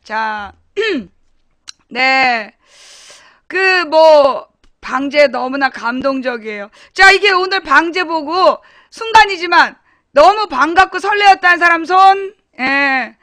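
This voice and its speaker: Bright, high-voiced chatty Korean woman host. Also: expressive, slow, no echo, studio quality. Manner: chatty, laughing, blunt and mocking. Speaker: live-stream talk show host. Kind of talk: casual live-stream chat reading viewer comments.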